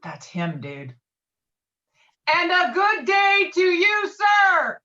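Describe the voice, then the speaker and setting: A woman's voice: extremely high pitch, huge pitch swings, very slow, bright, forceful tone, dull audio, heavily acted. A woman playing a brash, foul-mouthed, domineering man in a script table read, talking in a blustering, insistent way. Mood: politely loud. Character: brash, foul-mouthed, domineering male friend named Walter. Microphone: video call.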